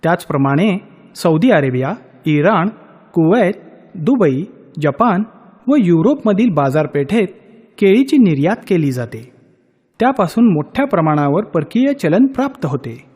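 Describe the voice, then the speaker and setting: A man reading a scripted documentary voice-over in a measured, informative way. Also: sits high, slightly rough, big-room sound. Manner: measured, even informative delivery. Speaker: documentary narrator.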